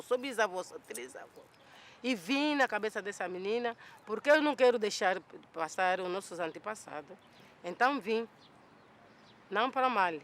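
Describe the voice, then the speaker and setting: A man speaking in a documentary interview, animated and piling up lists and repetitions. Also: sits high, slight background noise.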